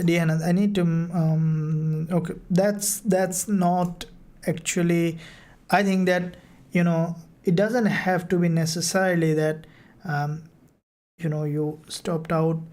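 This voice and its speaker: Woman, live-stream host, relaxed dark tone, little pitch movement, halting casual speech, mentor answering questions.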